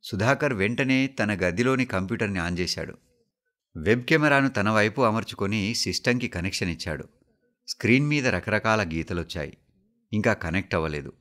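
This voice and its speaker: A man with a Telangana accent reading a story aloud for the radio in a steady, measured way. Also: on the low side. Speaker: story reader.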